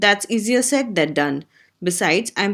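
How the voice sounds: The clip has a natural reading voice with lively intonation. The background is quiet.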